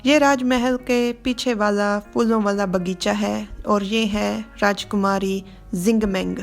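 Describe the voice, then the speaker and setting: A woman narrating a story explanation in an expressive, dramatic way. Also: mid-range voice, slow pace, vocal fry, faint music behind.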